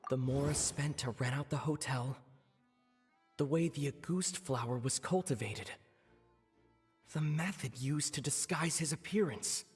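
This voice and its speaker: An actor playing a calm young male investigator in a video game, laying out deductions in a measured, deliberate way. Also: a little high, breathy edge. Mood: measured, serious. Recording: game dialogue with music behind. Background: game music.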